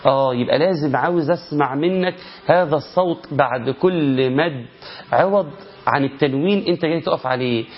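Brief: Egyptian man, recitation teacher, higher-pitched, quizzes listeners then chants slow verse examples, dull lo-fi audio. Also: breathy edge. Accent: Egyptian Arabic. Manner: asks rhetorical questions and answers them, demonstrates by chanting drawn-out verses. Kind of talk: recitation lesson. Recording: lo-fi muffled recording.

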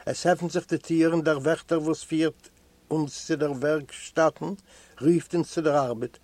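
A man's voice: fairly high pitch, steady tone, darkish tone, no echo. Man reading a first-person tale. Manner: measured first-person storytelling. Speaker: audiobook reader. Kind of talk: literary audiobook narration. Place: library recording room.

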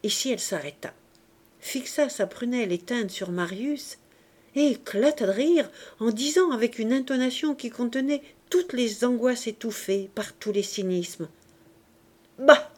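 A woman's voice: fairly high pitch, moderate pace, a little mellow. Woman reading a novel aloud. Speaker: audiobook reader. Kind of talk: audiobook narration.

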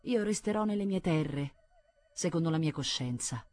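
A woman's voice: low voice, normal speed, no room sound. Woman reading as a stern, grave old man. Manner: calm and grave. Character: stern, dignified old man, head of family. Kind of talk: audiobook reading.

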